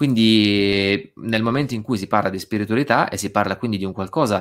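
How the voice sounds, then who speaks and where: In a very clean recording with a silent background, a man with a fairly low pitch speaks at a moderate pace in a plain, everyday voice, his pitch varying in an ordinary way. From Turin, Italy. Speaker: photographer and video creator. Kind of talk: casual interview. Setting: live stream.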